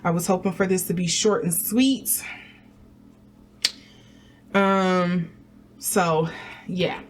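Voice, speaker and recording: A woman's voice: fairly low pitch, steady tone, slow pace, slight background noise. A woman giving a casual tarot reading to camera, chatty and meandering, with many fillers and restarts. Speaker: tarot reader.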